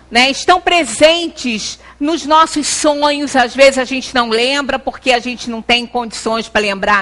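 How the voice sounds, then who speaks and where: A middle-aged woman with a Brazilian Portuguese accent gives an earnest devotional talk in a meeting room, pausing and restarting often, picked up by a far camera. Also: high voice, a bit bright. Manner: earnest, gesturing, many pauses and restarts. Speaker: lecturer at a spiritist center.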